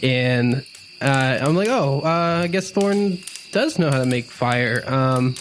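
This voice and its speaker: A man with a medium-pitched voice talks through his character's actions in a tabletop game. His style is casual and unscripted, with faint noise and crickets behind him. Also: slow pace. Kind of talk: casual in-character description during a role-playing game.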